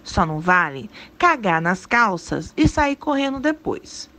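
A woman's voice: medium pitch, sing-song, unhurried, pushed and bright, full character voice. A woman reading a story aloud and voicing a teasing rural husband in folksy, laughing tones. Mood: earnest. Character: teasing rural husband, grown man, amused. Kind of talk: dramatic storytelling.

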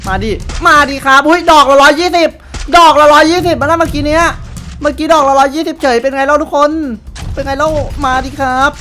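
A young man giving excited gameplay commentary, taunting opponents and repeating short calls over and over. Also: extremely high pitch, fast, faint music behind. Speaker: gamer streamer.

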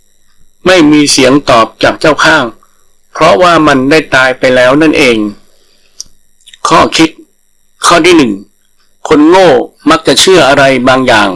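A man's voice: mid-range voice, a bit bright, rough recording. A man reading a scripted moral folktale as a storyteller.

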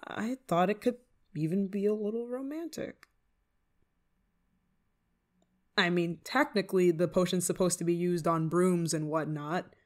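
A woman's voice: lowish voice, normal speed, darkish tone, natural voice. A woman playing a flustered, affectionate novice witch in an ASMR roleplay, speaking in a hesitant, fretful way. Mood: sheepish, affectionate. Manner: hesitant, stammering, fretful, sighing. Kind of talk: ASMR roleplay monologue to the listener.

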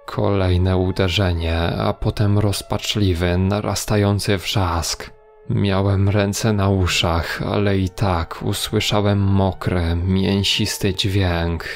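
A man reading a horror story in a measured, grave storytelling manner. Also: sits low. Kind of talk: scripted horror narration. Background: faint music.

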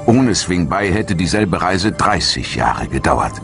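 A man giving calm, measured, scripted narration for a science documentary. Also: sits low, gravelly. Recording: studio narration over loud music.

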